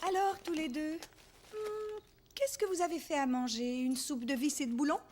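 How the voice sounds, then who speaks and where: A woman's voice: high voice, fairly even intonation, normal speed, lightly acted. A woman voicing a cheerful, playful, caring mother in a French-dubbed preschool cartoon.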